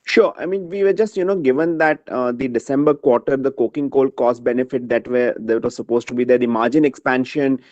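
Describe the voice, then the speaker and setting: Male analyst, dark relaxed tone, dry lo-fi call sound, hesitant and roundabout questioning. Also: mid-range voice, fairly quick, few pauses, no echo. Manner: hesitant, circling phrasing. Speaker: financial analyst asking questions. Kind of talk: unscripted question on an earnings call. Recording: dull, dry conference call audio.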